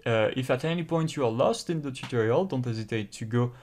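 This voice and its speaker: A man with a French accent talking through a step-by-step software tutorial, explaining carefully with frequent pauses. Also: medium pitch. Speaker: tutorial host.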